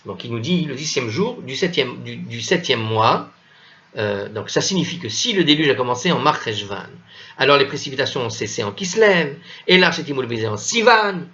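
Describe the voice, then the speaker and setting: A man's voice: mid-range voice, expressive, moderate pace, pushed and bright. Man, lesson on a religious text, stumbling restarts, questions to listeners, dull lo-fi sound. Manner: explains patiently, often stumbles and restarts, asks the listeners questions. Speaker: teacher commenting a religious text. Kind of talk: lesson, reading a text aloud and explaining it.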